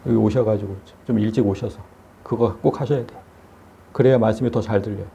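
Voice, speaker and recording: A man's voice: lowish voice, fairly even intonation, a little fast, vocal fry, mellow, husky. A man preaching a sermon as pastor, emphatic and full of rhetorical questions.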